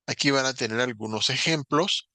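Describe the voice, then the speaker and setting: A man teaching a recorded lesson, explaining rules calmly in short phrases with pauses. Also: mid-range voice, dry recording. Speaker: English teacher.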